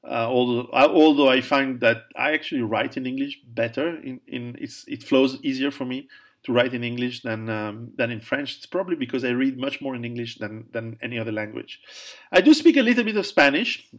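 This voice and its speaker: An author answering viewer questions speaks in a casual question-and-answer monologue at a middle pitch. Italian-born, raised in Switzerland and a native Italian speaker, he is hesitant, restarts often, fills pauses with "um" and chuckles at his own jokes.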